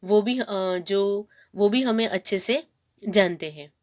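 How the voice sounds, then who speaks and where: A woman's voice: mid-range voice, takes it slowly, close to an everyday voice. A woman teacher voicing polite male hunters who answer a colonel respectfully. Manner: deferential and respectful.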